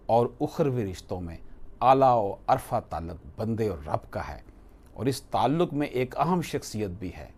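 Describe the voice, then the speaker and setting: Husky low-voiced man giving devotional talk. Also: darkish tone. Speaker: religious speaker. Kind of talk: devotional talk, scripted monologue.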